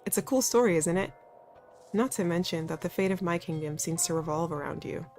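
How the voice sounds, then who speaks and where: A woman's voice: fairly low pitch, a little fast, a little mellow, faint music behind, natural voice. A woman doing an earnest exiled prince with a put-on Australian accent. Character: exiled young male prince, earnest, prophecy-minded. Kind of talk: reading game dialogue aloud.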